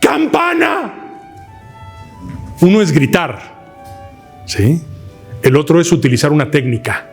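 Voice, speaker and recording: A man with a Mexican Spanish accent teaching an oratory workshop in a lecture hall, asking the class questions and shouting words to show his technique. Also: fairly high pitch, normal speed, pauses often, soft background music. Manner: lively, asks the class questions, shouts demonstrations. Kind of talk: live workshop lecture to a room. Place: lecture hall with fabric ceiling.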